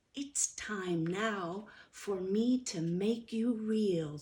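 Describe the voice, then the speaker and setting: At a very slow pace, a put-on character voice that sounds female comes through at a medium pitch. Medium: read story. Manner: soft, kind.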